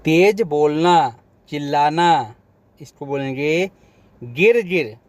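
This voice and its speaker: A man's voice: fairly high pitch, slow pace, darkish tone, no room sound. A man teaching vocabulary, repeating each word and then giving its meaning. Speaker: language teacher. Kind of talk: vocabulary lesson.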